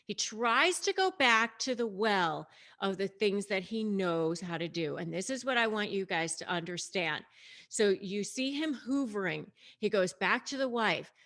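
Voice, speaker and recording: A woman's voice: medium pitch, lively intonation, measured pace, fairly bright tone. A woman host giving casual, explanatory commentary, speaking conversationally and emphatically straight to her audience. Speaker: host and coach giving advice on narcissists. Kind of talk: casual explanatory commentary to camera, retelling a story.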